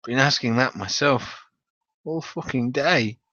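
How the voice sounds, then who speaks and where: A man's voice: medium pitch, unhurried, pushed and bright. Man playing a grim, obsessed gamer, muffled sound. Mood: weary, obsessed. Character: sleepless, intense male gamer, grimly obsessed with revenge. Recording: dull, roomy home recording.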